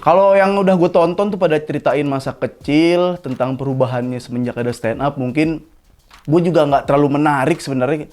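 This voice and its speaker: Chatty young comedian. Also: male voice, a little fast. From Jakarta, Indonesia. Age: 20s. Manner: casual slangy storytelling with animated pitch jumps. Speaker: stand-up comedian. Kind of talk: comic monologue storytelling. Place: studio.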